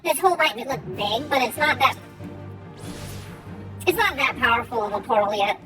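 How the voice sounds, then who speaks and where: A woman giving casual gameplay commentary and chatting with viewers in a rambling, halting way, her R's softened toward W. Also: sits high, animated. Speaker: game streamer. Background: faint music.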